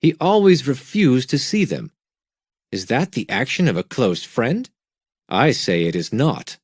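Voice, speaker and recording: A man's voice: mid-range voice, big pitch swings, measured pace, breathy edge, no echo. A man voicing a sly, fawning middle-aged innkeeper who speaks eagerly and turns indignant, with a dry, close sound. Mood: earnest, indignant.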